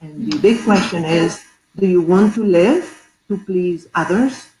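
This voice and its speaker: Panel guest: Spanish-accented woman, thoughtful and earnest, lowish voice, roomy echo. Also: a little slow. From Venezuela. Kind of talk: reflective conversation.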